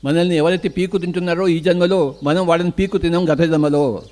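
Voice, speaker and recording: A man's voice: on the high side, steady tone, fast talker, a little mellow. Emphatic male spiritual teacher. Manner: emphatic, rhetorical questions and answers. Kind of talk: spiritual discourse.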